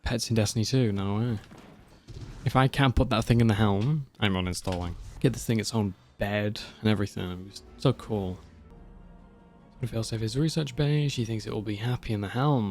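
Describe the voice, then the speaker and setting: A man casually commenting on a video game as he plays, reacting in a relaxed, amused way. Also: on the low side, moderate pace. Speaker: streamer. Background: game music.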